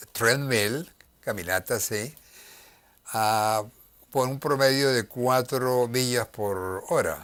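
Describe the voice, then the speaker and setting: Long, frequent pauses in a very slow delivery, pitch moving in an ordinary way. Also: man, medium pitch for a man. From Colombia (Cúcuta, Bogotá). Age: 80s+. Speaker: retired pediatrician. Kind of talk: interview. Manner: halting.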